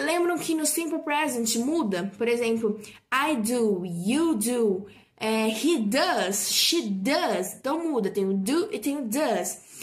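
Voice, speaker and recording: A Portuguese-speaking woman teaching English grammar in an online lesson, patient and repetitive, often correcting her own slips. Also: sits high. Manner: patient, repeats points and asks for repetition; frequent slips and self-corrections.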